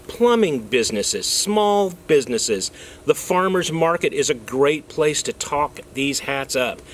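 A man in his fifties explaining a craft step by step in a relaxed, chatty way, with plenty of fillers. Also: on the high side, slight background noise. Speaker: maker teaching a craft. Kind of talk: hands-on tutorial. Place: indoors at a workbench, later outdoors by a farm fence.

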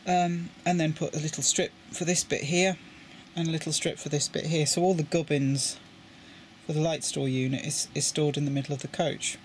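A man's voice: a little high, fairly even intonation, normal speed, a little hiss or hum. A British man explaining his model railway coach lighting work in a casual tutorial, often repeating words as he handles the parts. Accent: British English. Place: indoors at a table with a model railway.

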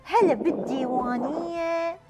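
A woman's voice: high-pitched, unhurried. A young woman with an Iraqi accent hosting a TV call-in game show in a playful, effusive way, often repeating her phrases. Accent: Iraqi Arabic. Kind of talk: lively game show presenting. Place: TV studio. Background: music.

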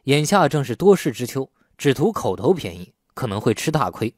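A man's voice: medium pitch, very animated, normal speed, no room sound. A man reading scripted, dramatic story narration as an audiobook narrator.

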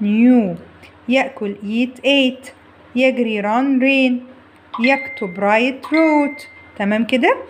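Egyptian lady teacher, fairly high voice, walks through the grammar step by step. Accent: Egyptian Arabic. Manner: explains step by step, repeats key words slowly. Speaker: English teacher. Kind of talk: online grammar lesson.

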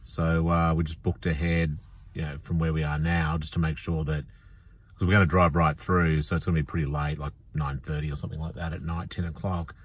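A man's voice: extremely low pitch, a little fast, breathy edge. A man in his fifties with an Australian accent, chatting casually to a phone camera about a road trip. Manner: relaxed, chatty, easily impressed. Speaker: travel vlogger. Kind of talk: casual travel vlog narration. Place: in and around a car, outdoors on a road trip. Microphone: phone camera held at arm's length.

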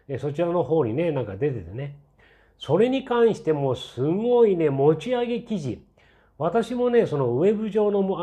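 Chatty man in his sixties, lively pitch. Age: 60s. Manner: chatty and rambling, many fillers and tag asides; skeptical, mildly mocking. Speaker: channel host. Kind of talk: casual opinion commentary.

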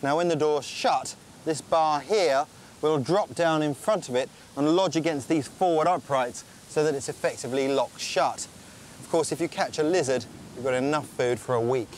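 A man presenting a survival documentary outdoors on a tropical island. He calmly explains and demonstrates each step. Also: fairly high pitch, moderate pace, slight background noise. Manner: calm, explanatory, tells and shows step by step. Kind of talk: documentary narration and on-location demonstration.

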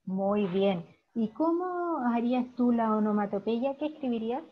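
A woman teacher with a Chilean accent giving an online class, praising her students warmly and explaining patiently. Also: fairly high pitch, lively intonation, moderate pace. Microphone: video call. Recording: dull lo-fi video call audio.

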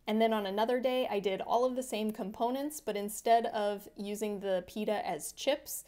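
A woman's voice: medium pitch, normal speed, a little mellow. A woman hosting a home cooking channel, narrating her meals in a friendly, chatty voice-over that explains each step. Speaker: vegan cooking channel host.

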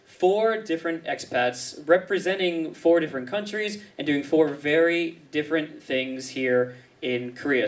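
A man's voice: a little high, distant mic. A young man co-hosting a live radio show, friendly and laughing easily. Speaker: radio co-host. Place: radio studio stage with audience. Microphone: handheld mic.

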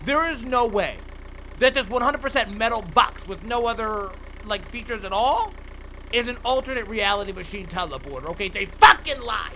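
A man's voice: high voice, animated, moderate pace, noisy background. A man in his thirties giving foul-mouthed, exclamatory, slangy comic commentary while playing a video game. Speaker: gaming streamer. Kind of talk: comic let's play commentary.

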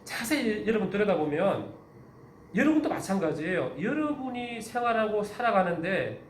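Lively, high-voiced male lecturer in an echoey room. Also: slight background noise. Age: 50s. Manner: lively, often asks the audience rhetorical questions. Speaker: teacher giving a lecture. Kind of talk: lecture to teachers.

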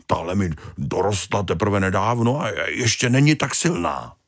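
A man's voice: lowish voice, big pitch swings, gravelly, no echo, studio quality, heavily acted. A man voicing a grumpy, touchy starfish who complains and bosses others around, in a storybook reading. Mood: protesting. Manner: complaining, bossy, whiny.

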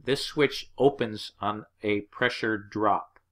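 Speaking slowly in a low, slightly bright voice, a man leads an HVAC class from slides. He keeps it plain and explanatory, taking the numbers one step at a time.

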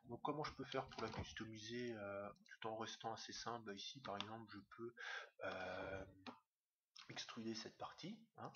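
Man, lowish bright voice, rushed hesitant tutorial delivery, muffled home mic. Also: fairly even intonation. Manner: fast, hesitant, many fillers. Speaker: software tutorial instructor. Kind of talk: screen-recorded software tutorial. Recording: dull lo-fi mic with faint hiss.

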